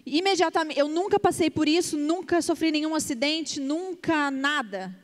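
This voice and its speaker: A woman's voice: high-pitched, normal speed. A woman pastor telling a story in a sermon, emotional and vivid, acting out the dialogue. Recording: long hall reverb.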